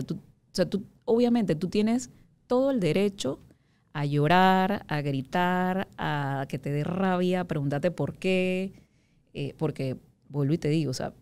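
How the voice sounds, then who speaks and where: A woman's voice: fairly low pitch, darkish tone. A woman in her thirties, an interview guest, speaking frankly in long, looping sentences full of asides. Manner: frank, talks in long loops with many "o sea" asides. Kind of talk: candid conversational interview.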